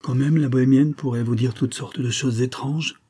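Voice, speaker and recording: A man's voice: medium pitch, fairly even intonation, moderate pace, dark tone, slightly rough, voice pushed up, lightly acted. A man voicing a defiant young gypsy woman. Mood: taunting. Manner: menacing prophetic taunting.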